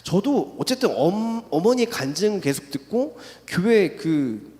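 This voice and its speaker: A man's voice: high-pitched, very animated, a little slow, mellow. A young man giving an emotional church testimony, telling his story with a voice that rises in intensity. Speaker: testimony speaker. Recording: long reverb in a hall.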